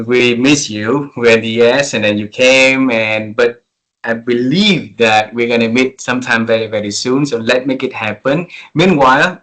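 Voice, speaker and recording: A man's voice: medium pitch, a bit bright, low-quality recording. A man in his forties from Vietnam hosting an interview over a call, speaking English with many fillers and restarts. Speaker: interview host.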